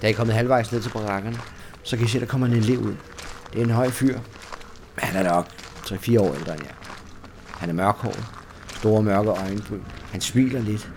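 A man's voice: fairly low pitch, fairly even intonation, darkish tone, slight background noise. Man narrating a tabletop horror game. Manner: measured, suspenseful description. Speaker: game master. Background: background music.

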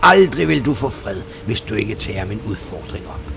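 A man's voice: lowish voice, sing-song, vocal fry, noisy background. A man voicing a small, loyal woman rune master who speaks boldly and solemnly, in a storybook reading. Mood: defiant. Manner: bold, solemn, defiant. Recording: music playing underneath.

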